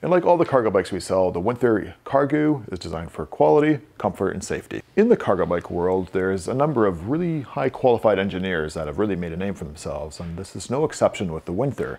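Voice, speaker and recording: With very wide pitch swings and big swings in loudness, a man with a fairly low voice races along at a very fast pace with hardly any pauses. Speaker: presenter. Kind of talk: product presentation. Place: studio.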